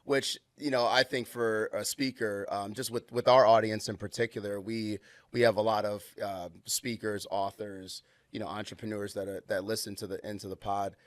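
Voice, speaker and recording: A man's voice: fairly low pitch, level tone, normal speed, no room sound. A man hosting a podcast interview, chatty and affirming, with lots of fillers. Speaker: podcast host. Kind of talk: casual interview chat.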